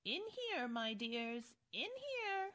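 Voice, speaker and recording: A woman's voice: high voice, big pitch swings, takes it slowly, bright, forceful tone, heavily acted. A woman playing an evasive, insistent old aunt in a radio horror drama. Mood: soothing, evasive. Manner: insistent, repeating phrases. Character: eerie, evasive old aunt, coaxing and snappish. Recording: music behind the voice.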